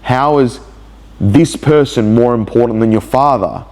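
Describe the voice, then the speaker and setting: A man recording a personal video diary, speaking in a slow, halting, reflective way with many restarts. He has a cold, and his nose sounds blocked. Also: medium pitch, a little mellow. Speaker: vlogger.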